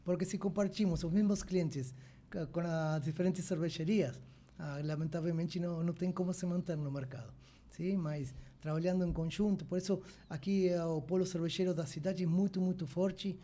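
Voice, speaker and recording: Argentine accent guy on a podcast, kinda high voice but mellow, lots of pauses hunting for words. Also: fairly even intonation. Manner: halting, searching for words, frequent pauses. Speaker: brewery owner guest. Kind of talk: podcast interview.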